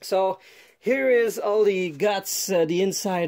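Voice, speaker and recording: Speaking very slowly, a man talks in a French accent. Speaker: pinball restorer. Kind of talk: tutorial. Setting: workshop. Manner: halting.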